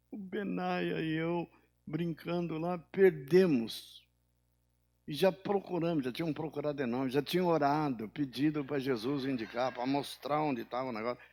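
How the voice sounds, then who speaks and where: An older man, a pastor, preaching a sermon, rising suddenly in pitch and volume, then dropping low, and acting out the people in his stories in a higher voice. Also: a little mellow.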